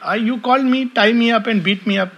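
A man's voice: very high voice, brisk, muffled recording, voice pushed up. A man voicing the god Krishna in a story, speaking in a teasing, affectionate way. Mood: playful. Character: playful, gentle male god Krishna.

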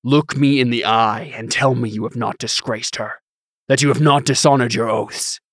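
A man's voice: medium pitch, fairly even intonation, moderate pace, fairly bright tone, no room sound. A man voicing a grim, righteous holy knight who speaks in a stern, menacing, controlled way. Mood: stern demand.

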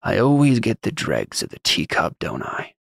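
A man voicing a weary taskmaster with quiet authority in a fantasy audiobook, curt and wry. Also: fairly low pitch, wildly swooping pitch, moderate pace, creaky, dry recording, studio quality, heavily acted. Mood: wry, resigned. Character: stern, weary male overseer with quiet authority.

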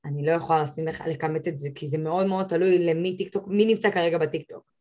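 A young woman, a guest on a podcast, talking in a casual and emphatic way, her voice rising high when she gives advice. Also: steady tone, a little mellow. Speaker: podcast guest, social media expert.

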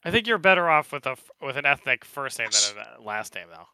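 A man's voice: mid-range voice, sing-song, brisk, bright, forceful tone, smooth, no room sound. A man co-hosting a casual podcast chat, playful and teasing as he poses questions. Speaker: podcast co-host asking questions.

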